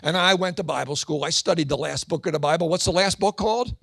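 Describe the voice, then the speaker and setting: A man in his sixties doing a Christian stand-up comedy routine, telling animated stories and acting out voices and shouts. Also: a little high, quick pace, vocal fry, no echo. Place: large event hall with an audience.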